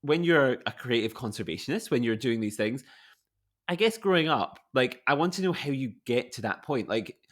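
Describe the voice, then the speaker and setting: A young man hosts a podcast in a mid-pitched voice. He asks his questions in loose, rambling sentences, circling back and restarting as he talks. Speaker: podcast host. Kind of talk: casual interview chat.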